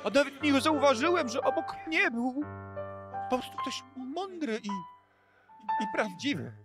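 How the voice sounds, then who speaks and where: An actor playing an excitable, self-important male food-stall owner who stammers and repeats himself in an improvised children's radio play. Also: very high voice, unhurried, over loud music. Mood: delighted, grateful.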